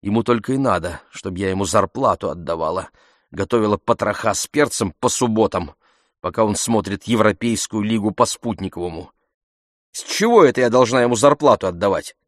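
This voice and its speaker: A man's voice: fairly low pitch, a little fast, fairly bright tone, no room sound, clean studio sound. A man voicing a middle-aged immigrant woman doctor from Nigeria who complains heatedly and asks one rhetorical question after another. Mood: indignant.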